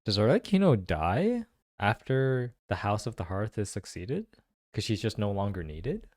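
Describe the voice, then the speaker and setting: Animated low-voiced man musing aloud. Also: normal speed. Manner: musing aloud, questioning, informal slang. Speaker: reaction video host. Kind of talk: casual game reaction and analysis commentary.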